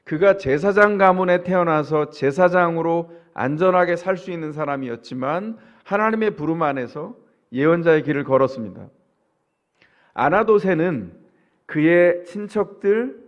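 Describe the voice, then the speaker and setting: Speaking in a fairly high voice over lo-fi sound, a male pastor from Chungcheong, South Korea, preaches conversationally. He regularly poses rhetorical questions to the people listening.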